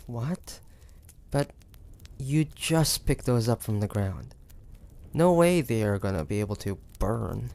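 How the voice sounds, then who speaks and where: Man acting a slow-talking, gravelly, proud demon hunter. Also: mid-range voice, animated, a little mellow. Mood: grudging, puzzled. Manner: halting, breathy sighs, indignant then grudging. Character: proud, wary, sardonic 1850s demon hunter, adult man. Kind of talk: intimate dramatic audio roleplay to the listener.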